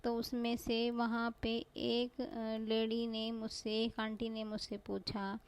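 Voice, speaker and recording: A woman's voice: fairly high pitch, completely flat delivery, slow, poor audio. A woman giving a devotional testimony to a congregation, pleading and repeating herself like a prayer. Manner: pleading, repetitive prayerful address.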